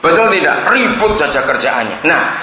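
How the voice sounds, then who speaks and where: A man's voice: a little high, sing-song, normal speed, crowd noise. A man preaching a sermon, telling humorous stories and addressing his listeners directly. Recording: roomy echoing hall.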